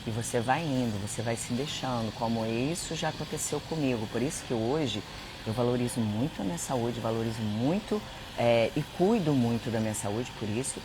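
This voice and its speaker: A Brazilian woman hosting a live spiritual chat, telling personal stories in an animated, dramatic way and often addressing her viewers. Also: extremely low pitch, moderate pace, background noise. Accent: Brazilian Portuguese. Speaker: host.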